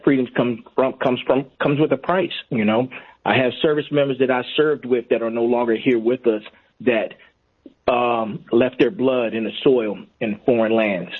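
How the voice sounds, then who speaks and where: A man's voice: mid-range voice, normal speed, breathy edge. A man calling in to a radio show, speaking earnestly and repeating himself for emphasis. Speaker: caller. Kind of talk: call-in radio. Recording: tinny phone line.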